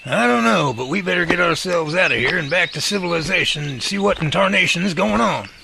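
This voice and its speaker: An actor playing a feisty, folksy older professor with a blustery, sharp tongue in an audio drama. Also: male voice, high-pitched, expressive, fairly quick, gravelly, exaggerated voice. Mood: folksy, determined. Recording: noisy outdoor ambience with birds.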